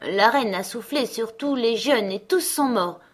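A woman's voice: fairly high pitch, lively intonation, measured pace, voice pushed up. A woman voicing a pair of forest wood pigeons that speak in a cooing, sing-song way.

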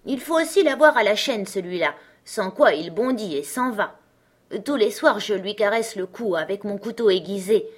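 A woman's voice: mid-range voice, expressive, moderate pace, natural voice. A woman voicing a fierce, wild little robber girl who talks in a bossy, teasing way.

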